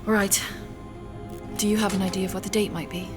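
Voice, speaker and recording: An actress playing a concerned, careful woman doctor in an audio drama, with a gentle, hesitant manner. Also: medium pitch, level tone, a little fast, music in the background, lightly acted. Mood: cautious. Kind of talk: audio fiction acting.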